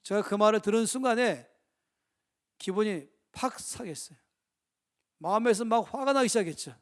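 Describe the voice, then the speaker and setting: A middle-aged man preaching with a notably high voice. He tells stories dramatically, swinging from loud bursts down to quiet, hushed asides. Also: lively intonation, moderate pace. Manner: dramatic storytelling with big swings between loud and soft. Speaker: pastor. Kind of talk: sermon.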